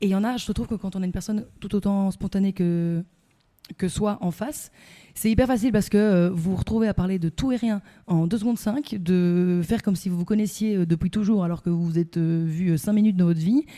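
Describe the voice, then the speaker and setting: A woman with a medium pitch talks at a fairly quick pace with ordinary pitch variation, on a very clean recording with a silent background. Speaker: interview guest. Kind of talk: casual interview. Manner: fast; hesitant, many fillers.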